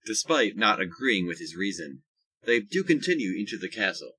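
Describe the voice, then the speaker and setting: Deep, bright, husky male narrator. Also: very animated, normal speed. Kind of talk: scripted audio drama narration.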